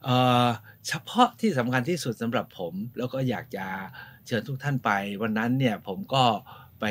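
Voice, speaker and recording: Man leading a chatty temple tour. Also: medium pitch. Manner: lively storyteller, polite, often adds polite particles. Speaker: host and tour guide. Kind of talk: informal guided-tour storytelling. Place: outdoors at a temple.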